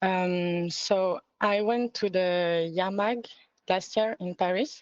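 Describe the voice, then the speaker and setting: Very slowly and with fairly even intonation, a woman with a French accent speaks at medium pitch, the sound dry and close with no echo and the background quiet. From France. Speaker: audience member. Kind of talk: asking a question. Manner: halting.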